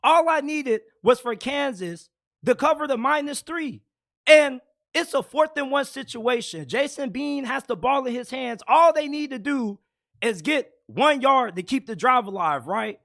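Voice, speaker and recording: A man with a raspy, hoarse voice hosts casual sports talk in a strikingly high register. His tone is bright and sharp, and his delivery is blunt and opinionated, quick to get heated. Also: lively intonation. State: hoarse from yelling. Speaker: sports commentator host.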